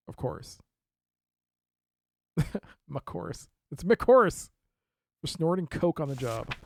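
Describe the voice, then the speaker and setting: A man's voice: a little high, a little mellow, no room sound, clean studio sound. A man streaming a mystery game, reading case notes aloud and reacting with laughs and asides. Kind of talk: casual let's play commentary.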